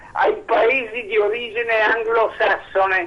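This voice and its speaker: A man talks very slowly at an extremely high pitch with lively intonation. Noticeable background noise is present. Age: 80s+. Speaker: caller. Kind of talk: phone-in opinion. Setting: phone call.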